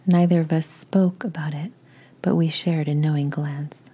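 A woman narrating a story in the first person, in a slow, intimate, breathy whisper. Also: low voice, fairly even intonation. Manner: slow, intimate, hushed delivery.

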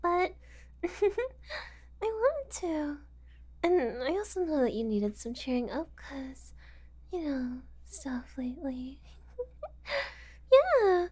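A woman's voice: high voice, sing-song, takes it slowly, long pauses, darkish tone, full character voice. A woman playing a giggly, unhinged young woman kidnapper who teases and whispers asides in a sweetly menacing way. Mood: playful teasing. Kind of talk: audio roleplay acting.

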